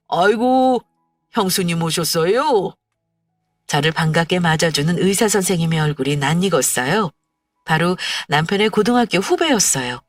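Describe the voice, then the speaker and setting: A woman narrating a heartfelt first-person story in a plaintive, steady way. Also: lowish voice, no echo. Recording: dry, far from mic, faint music.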